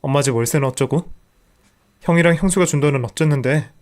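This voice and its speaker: A man's voice: on the high side, quick pace, close to an everyday voice. A man voicing a betrayed younger husband who confronts his wife with question after question. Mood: angry.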